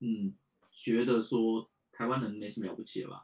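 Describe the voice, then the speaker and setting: A man speaks at a moderate pace and medium pitch. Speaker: podcast co-host. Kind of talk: casual chat.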